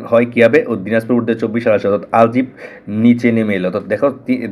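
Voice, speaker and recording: A man with a Bangladeshi Bengali accent talks quickly through an exam-prep lesson. He speaks close to the mic, repeating each answer and urging students to remember it. His pitch is mid for a man. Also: darkish tone. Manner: repeats answers and stresses importance, addresses students directly.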